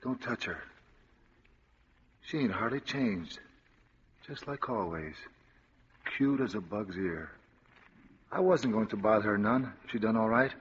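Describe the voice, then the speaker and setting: An actor playing a big, simple-minded brute in an old-time radio drama, with a slow, plain way of talking and a husky voice. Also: male voice, lowish voice, animated, full character voice. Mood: tender. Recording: dull old radio broadcast.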